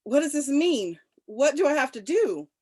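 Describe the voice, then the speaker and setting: Woman acting a high-voiced, bewildered young woman. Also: big pitch swings, normal speed, dark tone. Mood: bewildered, anxious. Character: young woman, confused, frightened, overwhelmed festival dancer. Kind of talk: virtual table read acting of a film script.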